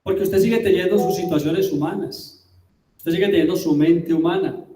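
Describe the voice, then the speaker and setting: Pastor guy preaching, slightly high voice, asks the crowd questions, mic kinda far off. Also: mellow, a little hiss or hum. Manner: emphatic preaching with rhetorical questions and drawn-out words. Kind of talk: sermon. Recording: roomy, distant mic.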